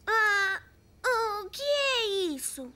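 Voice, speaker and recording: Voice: extremely high pitch, big pitch swings, drawn-out words, exaggerated voice. A performer voicing a curious, eager preschool boy in a Brazilian cartoon dub, with simple, inquisitive childlike phrasing. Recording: music behind the voice.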